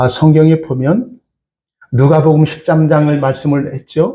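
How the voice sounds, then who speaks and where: A man speaks in a dark, mellow tone that is somewhat breathy. His pace is fairly slow and his intonation fairly even. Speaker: pastor. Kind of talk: sermon. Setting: church. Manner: speeds up as sermon goes on.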